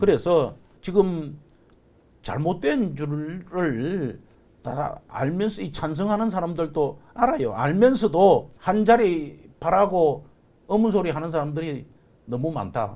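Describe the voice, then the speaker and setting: Talking at a very slow pace, this man has a high pitch with a dark, mellow tone. His intonation is lively and his loudness swings widely. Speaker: military strategy think tank head. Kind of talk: interview. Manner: heated, raised voice.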